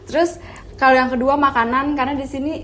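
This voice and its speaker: High-voiced young woman, relaxed chat. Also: quick pace, slight background noise. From West Java, Indonesia. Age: young adult. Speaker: guest, university student. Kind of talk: casual chat.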